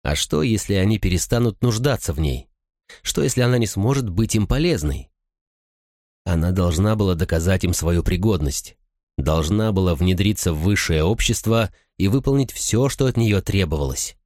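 A man narrating an audiobook in a steady, measured reading style. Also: sits low, no echo, studio quality. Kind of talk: scripted narration.

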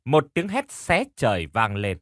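A man's voice: medium pitch, big pitch swings, a little slow, heavy background noise. A man narrating a horror audiobook in an emotive, dramatic storytelling style.

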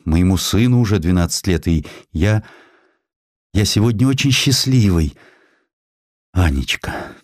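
A man's voice: low voice, expressive, measured pace, pauses often, no room sound, clean studio sound. A man voicing an earnest, shy, idealistic medical man with a sincere, hesitant manner in an audio story. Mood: tender.

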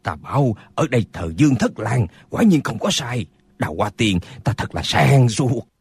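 A man plays a pompous old swordsman who explains nonsense as if it were deep learning, his voice lively and a little rough. The sound is dry and close. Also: normal speed, no echo, heavily acted. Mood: pleased with himself. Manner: smug, lecturing. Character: self-satisfied old male martial eccentric, pompous.

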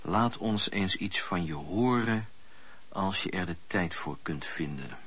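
Devout caring man reading his letter, low and husky, radio play. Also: lively intonation, unhurried, fairly bright tone, exaggerated voice. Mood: reverent, caring. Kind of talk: Dutch radio drama acting. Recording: dull lo-fi radio play recording.

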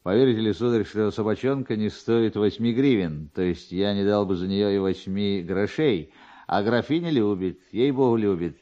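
A man's voice: fairly low pitch, moderate pace, mellow, natural voice. A man voicing a garrulous, opinionated servant in a dramatised classic story, confiding and emphatic. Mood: chatty, emphatic. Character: chatty, opinionated male servant in livery. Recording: dull, band-limited archive radio recording.

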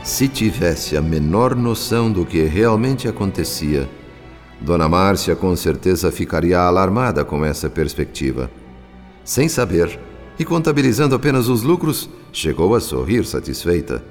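A man's voice: low-pitched, lively intonation, moderate pace. A man with a Brazilian accent narrating a radio drama in a solemn, formal, literary manner. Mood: solemn, grave. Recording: long reverb, soft music behind.

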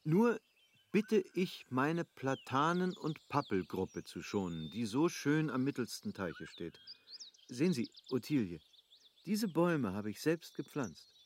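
A wealthy, cultivated country baron in a German radio drama. He is earnest and affectionate, with a mid-pitched voice. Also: big pitch swings, measured pace, a little hiss or hum. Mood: fond, wistful.

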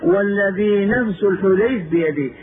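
A preacher retelling an angry tribal chief. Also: male voice, sits high, moderate pace, a little hiss or hum, close to an everyday voice. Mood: indignant. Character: proud angry Arab tribal chief, grown man. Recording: tinny phone-like old tape.

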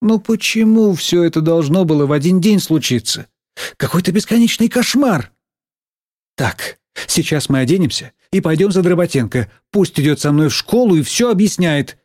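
A man reading an audiobook, voicing a middle-aged woman schoolteacher who is excitable and quick to anger, in a raised, shrill, scolding voice. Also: dry recording, studio quality, natural voice. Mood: distraught. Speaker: teacher.

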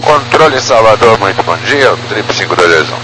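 A man's voice: on the low side, lively intonation, fairly quick, sharp tone. A man speaking as a pilot, making clipped requests and readbacks over an aviation radio. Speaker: pilot on air traffic radio. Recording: very noisy radio transmission, engine hum.

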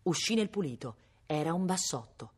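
A woman with a low voice reads a novel aloud, her delivery swinging widely in pitch. She reads expressively, throwing in imitations of animal sounds. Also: expressive, moderate pace, slightly rough. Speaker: reader. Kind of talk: read-aloud novel narration.

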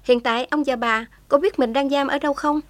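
Woman doing polite probing journalist lady, formal, brisk, raised voice, dry sound. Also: sits high, fairly even intonation, dry recording, pitched above the performer's own voice, lightly acted.

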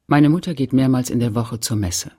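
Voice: mid-range voice, fairly quick, a little mellow, husky, close to an everyday voice. An actor playing a woman who looks back on her Catholic girlhood in sober, literary radio-play narration, observant and introspective. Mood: matter-of-fact.

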